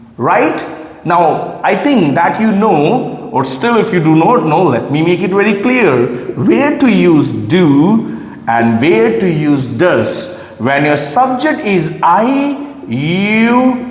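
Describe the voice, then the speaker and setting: Noticeable noise sits behind speech that unfolds very slowly. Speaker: English teacher. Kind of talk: tutorial.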